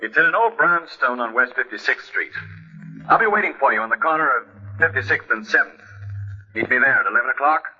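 A man's voice: medium pitch, expressive, a little fast, bright, forceful tone, husky, full character voice. An actor in his forties playing an anxious, wealthy financier husband, urgent and tense, in a 1950s radio drama. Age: 40s. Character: rich, anxious middle-aged financier husband. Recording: dull old radio broadcast.

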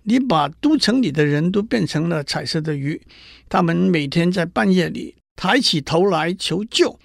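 A man's voice: on the high side, creaky, no room sound, clean studio sound. A man voicing a clever, resolute king from a fairy tale, with a commanding storybook delivery.

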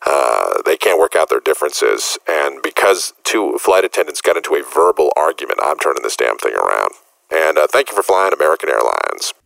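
A man voicing a gruff male airline captain speaking over the cockpit intercom, annoyed and halting. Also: rumbling low, big pitch swings, fairly bright tone, no echo, pitched below the performer's own voice, heavily acted. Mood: irritated. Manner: drawling, annoyed announcement with halting uhs. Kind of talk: mock captain's cabin announcement on a podcast.

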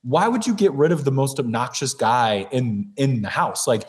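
A man talking bluntly as a podcast guest, in a mid-range voice that is neither high nor low. He is casual and animated, and he breaks into impressions of other people. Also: moderate pace.

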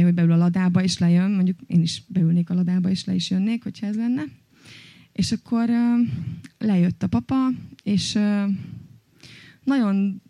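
Woman storyteller, chatty and halting, warm tone, close and dry. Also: mid-range voice, dry recording. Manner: chatty, many fillers and hesitations. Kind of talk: personal story told on stage.

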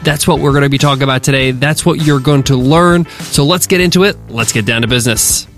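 A man's voice: mid-range voice, quick pace, over loud music. A man hosting a business podcast lesson, sounding nasal and congested from a cold, talking in an upbeat, motivational way straight to his listeners. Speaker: podcast host.

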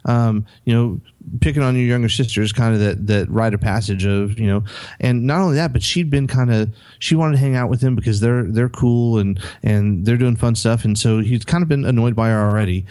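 A man's voice: medium pitch, brisk, dark tone. A middle-aged man on a podcast, casually telling a story with many restarts and acted-out quotes. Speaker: podcast co-host.

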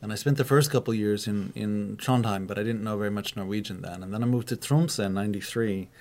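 A man's voice: fairly low pitch, quick pace, darkish tone. An American man, a university rector, answering questions as a podcast guest in a thoughtful, self-deprecating way. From United States. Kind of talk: relaxed conversational interview.

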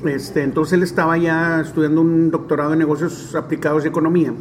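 A man in his forties from Monterrey with a northern Mexican accent, telling stories in an interview in a chatty, animated way with many fillers. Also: fairly high pitch, fast talker, slight background noise. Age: 40s. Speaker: stadium DJ and announcer. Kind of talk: relaxed storytelling interview.

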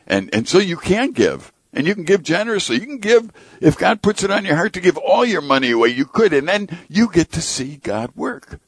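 A man speaking as a guest on a Christian radio program, earnest and animated, acting out quotes as he tells stories. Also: high voice, brisk, hardly any pauses, husky, no echo. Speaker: ministry president and radio guest. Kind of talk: casual Christian radio conversation.

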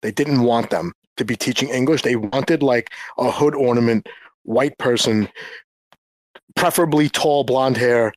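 Halting man from New York, dry sound. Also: medium pitch, no echo, low-quality recording. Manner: halting, searching for words, frequent restarts. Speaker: guest, former English teacher. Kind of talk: casual group chat.

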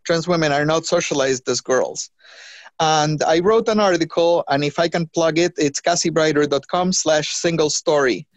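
A trans woman talking as a podcast guest, animated, with quick restarts and acted-out quotes. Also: deep voice, no echo. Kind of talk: conversational interview.

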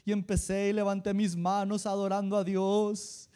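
A man voicing an old man over seventy who gives a slow, earnest church testimony. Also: high voice, monotone, mellow, clean tone, natural voice.

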